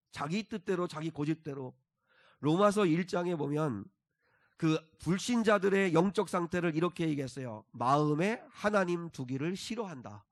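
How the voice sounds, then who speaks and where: A middle-aged man preaching a sermon as a pastor, building to emphatic peaks and slowing to repeat key phrases. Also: a little high, vocal fry.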